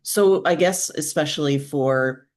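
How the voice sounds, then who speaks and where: A woman's voice: deep voice, a little slow, darkish tone. A woman in her forties talks as a guest author in a candid interview. Her delivery is reflective and frank, like someone thinking aloud in conversation. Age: 40s.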